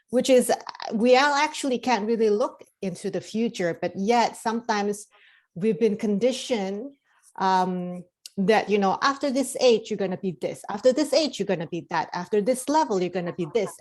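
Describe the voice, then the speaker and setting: A woman's voice: mid-range voice, darkish tone. A middle-aged woman from Indonesia speaks as a guest in a casual interview. She rambles a little, with frequent fillers and restarts. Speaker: life coach and hypnotherapist guest.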